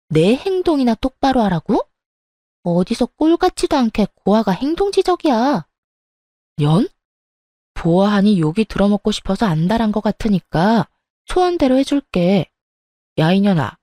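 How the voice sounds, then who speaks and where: A woman's voice: mellow, dry recording, clean studio sound, lightly acted. A woman voicing a rude, hot-tempered young sister-in-law who curses and mocks. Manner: shrill, cursing, scornful.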